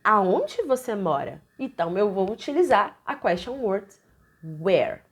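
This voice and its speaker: A young adult woman with a Brazilian Portuguese accent, an English teacher explaining lessons in an emphatic, lively way. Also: mid-range voice, unhurried, breathy edge, highs cut off. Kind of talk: online lesson.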